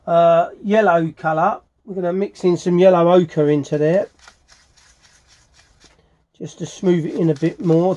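A middle-aged man with a fairly high voice talks through a practical job in a casual way. He pauses and thinks aloud as he works. The sound is dry and slightly dull, as from a camera microphone. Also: mellow, dry recording. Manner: halting, thinking aloud while working. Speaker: furniture restorer demonstrating his work. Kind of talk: casual hands-on workshop tutorial. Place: small cluttered indoor workshop.

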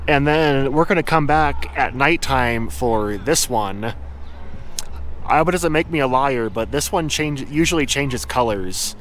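A man casually narrating his travel vlog, cooking at his truck camper and then walking around town, in a relaxed, chatty way that often corrects itself mid-sentence. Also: mid-range voice, a little slow, a little hiss or hum. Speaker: travel vlogger.

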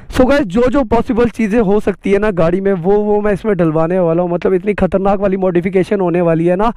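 A young man vlogging casually to viewers, first from a car and then riding a motorbike through city traffic, talking excitedly over the wind. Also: high-pitched, no echo. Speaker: motovlogger. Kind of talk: casual vlog talk to viewers.

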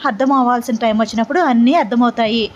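Meet a sarcastic young man who needles his cousin in a dry, teasing way, as a woman storyteller puts him on. The voice sits a little high, and the take is slightly dull with faint hiss. It sounds like a homemade audio story. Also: rapid-fire, lightly acted. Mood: needling.

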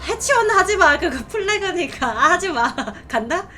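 Scared, very high-pitched woman streaming horror games. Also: normal speed, a little hiss or hum. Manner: scared horror game streamer, exclaiming and pleading; excitable, dramatic. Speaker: game streamer. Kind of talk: live horror game commentary. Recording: music behind the voice. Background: music.

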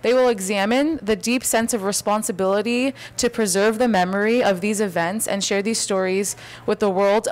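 A woman reads a prepared introduction as an event announcer. Her voice sits at a medium pitch and follows the script. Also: steady tone, normal speed. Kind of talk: scripted introduction read aloud. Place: at a podium in a conference room.

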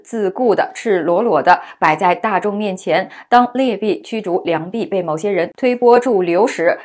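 A woman narrating a news segment from a script, her pitch sitting in the middle of the usual range. She reads briskly and evenly, moving from one point to the next without pause.

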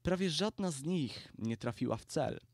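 A man's voice: on the high side, animated, normal speed, a little mellow, dry recording, clean studio sound. A man narrating a comic internet story in a casual, crude tone.

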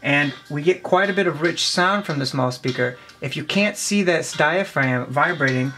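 A man in his twenties giving a casual hands-on explanation, a bit halting as he thinks aloud, recorded on a camera mic in a small office. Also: fairly high pitch, bright, forceful tone, soft background music. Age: 20s. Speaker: presenter of a tech demonstration. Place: small cluttered office indoors. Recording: clear background noise, clicks of handling.

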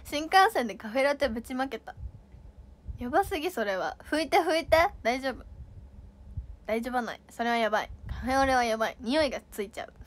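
A woman's voice: high voice, lively intonation, fairly quick, pauses often. A young woman chatting casually on a livestream, playfully reading out viewer comments and reacting with giggles. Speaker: idol livestreamer.

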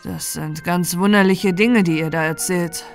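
A woman's voice: lowish voice, fairly even intonation, measured pace, soft background music. A woman voicing a curious man in a fairy tale, with a muted, questioning manner. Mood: astonished.

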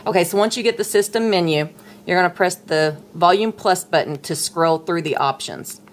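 A woman's voice: on the low side, moderate pace. A middle-aged woman walking through tablet setup steps in a patient, chatty tutorial, talking while she handles the device. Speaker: tech tutorial presenter. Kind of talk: casual step-by-step tutorial. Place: indoors at a table, dim room.

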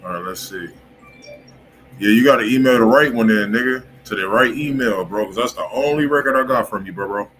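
A man's voice: fairly low pitch, fairly quick, fairly bright tone. An American man, around his thirties, chatting casually and slangily as the host of a livestreamed music review show. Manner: slangy, informal. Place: indoor room at home, on a livestream. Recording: noisy room webcam stream.

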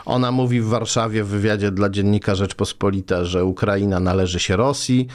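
A man's voice: fairly low pitch, steady tone, fairly quick. A man in his forties, a guest in a political interview in a small studio, speaking with many hesitations and sarcastic remarks. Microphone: boom mic on desk arm.

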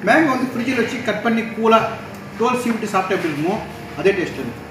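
A man's voice: sits high, racing, recorded from a distance, noisy background. Man talking with a mouth full of ice cream. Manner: excitable, gushing with repeated praise. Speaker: food reviewer. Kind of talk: casual food review vlog. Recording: echoey shop with music playing.

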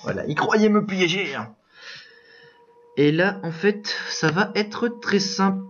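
Guy doing let's play commentary, high bouncy voice, keeps yelling at the laggy game, kinda muffled lo-fi mic. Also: slow. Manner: exclamatory, frustrated outbursts at a lagging game. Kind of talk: casual gameplay commentary.

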